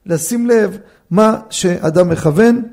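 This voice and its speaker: A man, a rabbi, giving an animated lecture on Jewish law and firing rhetorical questions at his listeners. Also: sits high. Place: study hall class.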